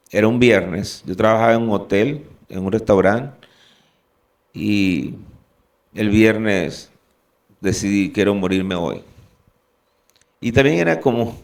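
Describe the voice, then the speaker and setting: A man from Venezuela giving an earnest, halting personal testimony as a guest. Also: on the low side, darkish tone, recorded from a distance.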